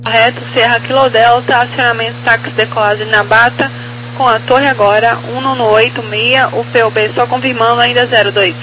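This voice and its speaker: Over a slightly noisy radio, a Brazilian male air traffic controller speaks in a very high, bright voice. He gives clearances in clipped, procedural phrases. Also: flat delivery, fairly quick. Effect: aviation radio. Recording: faintly noisy radio transmission with hum.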